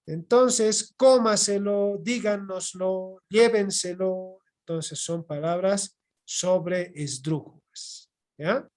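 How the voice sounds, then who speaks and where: A man with a Bolivian Spanish accent teaching an online class, explaining slowly and repeating points while checking his students follow. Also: high-pitched, fairly even intonation, a little mellow. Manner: slow, repetitive explaining with checking "¿ya?". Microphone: computer mic on video call.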